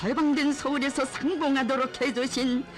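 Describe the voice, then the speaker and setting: High-pitched North Korean woman, solemn documentary narrator. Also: steady tone, moderate pace. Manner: solemn, reverent, emotive declamation. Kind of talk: scripted propaganda documentary narration. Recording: music behind the voice. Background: music.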